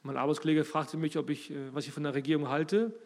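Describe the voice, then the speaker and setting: A man preaching a sermon, emphatic and rising and falling in loudness, speaking straight to his listeners. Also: a little high, little pitch movement, fast talker.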